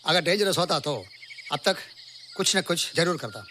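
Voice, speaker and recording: An actor playing a scientist who explains findings in a matter-of-fact way, in film dialogue. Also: male voice, on the high side, lively intonation, normal speed, pushed and bright, a little hiss or hum. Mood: businesslike. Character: scientist reporting to an official.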